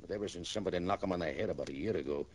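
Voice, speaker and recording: A man's voice: low-pitched, rapid-fire, a little mellow, a little hiss or hum, lightly acted. An actor playing a middle-aged gangster boss in a 1960s radio drama, with a mocking, falsely friendly manner and a chuckle behind his words. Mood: smooth menace.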